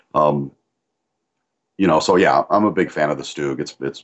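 A man with an American accent speaks in a very deep, low pitch with vocal fry. The background is quiet. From Michigan, US Midwest. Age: 40s. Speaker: tank history YouTuber and blogger; tank history YouTuber, blogger. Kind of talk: casual conversation. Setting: video or voice call. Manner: frequent fillers, hesitant. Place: home room. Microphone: video call.

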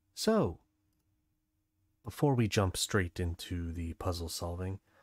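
A man's very deep, low voice, somewhat breathy, at a very slow pace with ordinary pitch variation, dry with no echo against a quiet background. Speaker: game streamer. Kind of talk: live stream chat. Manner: quieter than usual. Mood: relaxed, a bit subdued. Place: home room.

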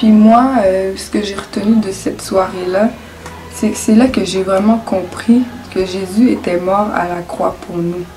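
A woman speaks at a very slow pace and a medium pitch. Her intonation is fairly even, with light background noise. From Quebec. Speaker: church member being baptized. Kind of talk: testimony. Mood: earnest, reflective. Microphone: webcam.

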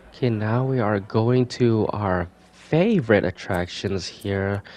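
Over music in the background, a man speaks at a fairly slow pace in a fairly low voice with ordinary pitch variation. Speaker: gaming content creator. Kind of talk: game walkthrough commentary.

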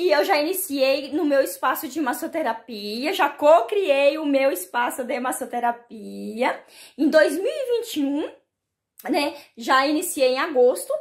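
A woman's high-pitched, animated voice at a fairly slow pace, with very wide pitch swings. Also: quiet background. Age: 30s. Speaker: massage therapist. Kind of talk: testimony. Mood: warm, grateful, upbeat. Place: office. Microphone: phone near.

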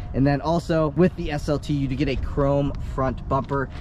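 There is noticeable background noise behind a man's voice. The sound is dry, with no echo. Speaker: car reviewer. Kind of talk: vehicle walkaround commentary. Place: street. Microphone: phone near.

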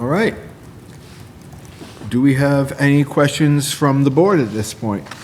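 Fairly slow speech with long, frequent pauses and ordinary pitch variation is heard over noticeable background noise and audible room echo. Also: man, fairly high pitch for a man. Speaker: planning board chair. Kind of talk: public meeting. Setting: town hall meeting, also on Zoom. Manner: slightly slurred speech.

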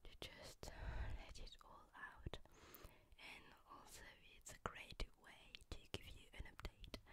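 A woman whispers her words very slowly. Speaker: ASMR creator. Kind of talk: ASMR whispered talk. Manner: whispered. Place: home room.

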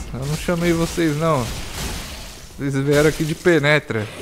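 Over noticeable background noise, a man with a fairly high pitch speaks at a moderate pace. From Brazil. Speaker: gaming YouTuber. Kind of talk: casual gameplay commentary. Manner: animated. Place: home room.

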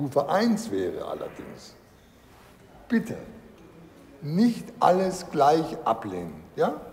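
A man talks very slowly while light background noise sits underneath. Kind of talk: scripted acting, mockumentary interview monologue.

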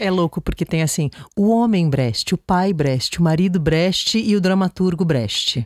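A woman speaks at a fairly slow pace with a fairly low pitch and lively intonation. Her loudness stays very even, and the sound is dry and close with no echo. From southern Brazil. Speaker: podcast host, actor. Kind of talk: casual chat.

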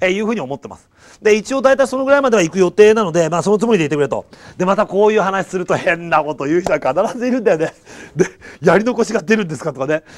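A man with a high voice talks very fast, his loudness swinging widely, against a quiet background. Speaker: cram school English teacher; prep school English teacher. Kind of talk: lecture. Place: classroom. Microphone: lapel.

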